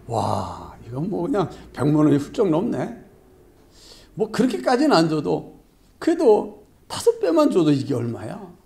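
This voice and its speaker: A man voicing a male day laborer in a parable who protests loudly about unfair pay. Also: fairly high pitch, wildly swooping pitch, moderate pace, vocal fry, full character voice. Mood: excited. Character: indignant early-shift male laborer, grumbling.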